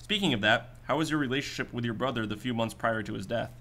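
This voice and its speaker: A man's voice: mid-range voice, fast, sharp tone, slight background noise. A man playing a skeptical, businesslike detective in a radio drama, asking clipped, matter-of-fact questions. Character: hard-boiled male detective, probing, skeptical, businesslike.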